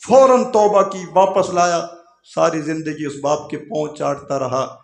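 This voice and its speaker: A man's voice: fairly high pitch, fairly even intonation, creaky, reverberant. A male Islamic preacher telling a sermon story in a dramatic, emphatic way, acting out the quoted dialogue.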